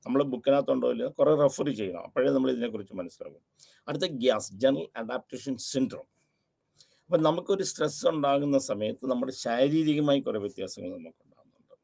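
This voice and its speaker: A man's voice: mid-range voice, animated, fast, creaky, mellow. A man giving a recorded university psychology lecture, explaining step by step and repeating key terms, with English phrases mixed into his talk.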